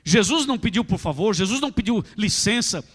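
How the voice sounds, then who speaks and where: A Brazilian pastor with a high, expressive, fairly bright voice preaches briskly to his congregation in a large church. He speaks with a Brazilian Portuguese accent, emphatic and repetitive, addressing listeners directly. The church hall is echoey.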